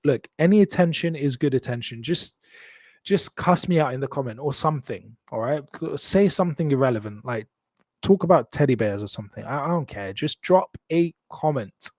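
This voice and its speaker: A man's voice: medium pitch, dry recording. Upbeat Kenyan-accented man hosting a live show. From Congo, raised in Kenya. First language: not English. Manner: upbeat, joking, repeats phrases. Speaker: host. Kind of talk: live show sign-off to viewers.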